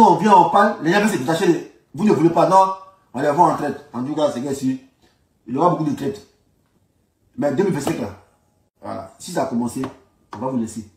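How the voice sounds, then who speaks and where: A man with an Ivorian French accent giving informal political commentary, insisting on his points and repeating his phrases emphatically. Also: on the high side. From Ivory Coast. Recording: roomy echo, distant from the mic.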